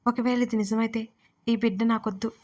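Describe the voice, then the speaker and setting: A woman's voice: on the high side, fairly even intonation, a little fast, a little mellow, close to an everyday voice. A woman voicing a frightened, anxious young woman who speaks in a distressed, pleading way in a romance audio story.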